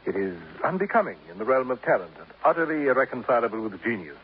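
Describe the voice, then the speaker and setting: Male actor as a fussy, pompous poet; lively, ornate delivery; thin, hissy vintage radio sound. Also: mid-range voice, fast, lightly acted. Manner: grandiloquent, formal, addresses others as sir. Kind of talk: 1950s radio drama acting. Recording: tinny, hissy old radio broadcast.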